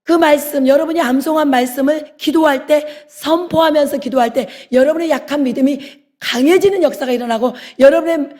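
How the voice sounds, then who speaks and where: A middle-aged woman preaches a sermon with a high, mellow voice. She exhorts earnestly and slows down for emphasis. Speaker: pastor's wife preaching.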